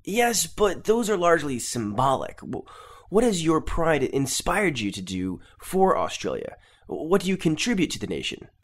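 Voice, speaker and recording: A man's voice: on the high side, very animated, normal speed. A man playing a polite, earnest Canadian TV interviewer with a Canadian accent, who hesitates and restarts his questions.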